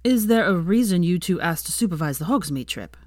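A woman's voice: on the low side, expressive, brisk, a little mellow, no room sound, clean studio sound. A woman voicing an anxious, earnest young wizard man who sounds worried.

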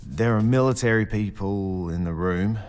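Anxious civilian, acted by a man, low voice, hesitant, earnest, sci-fi audio drama. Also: normal speed, a little mellow, slight background noise, close to an everyday voice. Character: anxious male civilian voicing everyone's fear. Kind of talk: science fiction audio drama acting.

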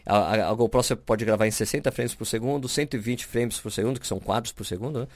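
A man's voice: mid-range voice, quick pace, no room sound. Brazilian guy on a podcast, casual chatty talk, lots of restarts, dry close sound. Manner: chatty, explains with many fillers and restarts. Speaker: podcast co-host. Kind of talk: casual chat.

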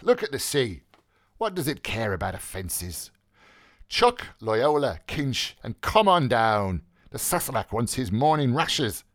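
A man voicing a brash, mocking young male medical student, quick and flippant. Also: mid-range voice, big pitch swings, no echo, clean studio sound, voice pushed up. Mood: breezy.

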